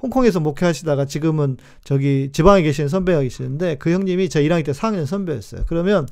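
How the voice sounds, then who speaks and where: A man's voice: a little high, quick pace, dark tone. A man in his forties, a pastor hosting a live stream, teaches in a chatty, emphatic way, repeating key words and answering viewers' comments as he goes.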